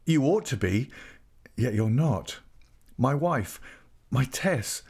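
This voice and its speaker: A man's voice: mid-range voice, expressive, slow pace, creaky, a little mellow, slightly rough, pitched above the performer's own voice, exaggerated voice. A man playing a stunned, rigid young husband, grave and incredulous, in a dramatic audiobook reading. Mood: dazed disbelief. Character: stunned, rigid young husband, coldly rejecting his wife.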